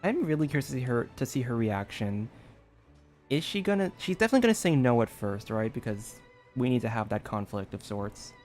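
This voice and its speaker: A woman's voice: very deep voice, very animated, fairly quick, a little mellow, faint music behind. A woman giving casual livestream commentary on a game, musing and reacting aloud. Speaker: game streamer.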